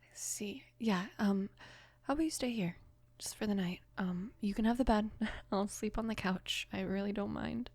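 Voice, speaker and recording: A woman voicing a young mafia boss's daughter, gentle, protective and flustered, in a soft, hesitant near-whisper for an ASMR romance roleplay. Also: mid-range voice, moderate pace, dry recording, lightly acted. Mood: caring, shy.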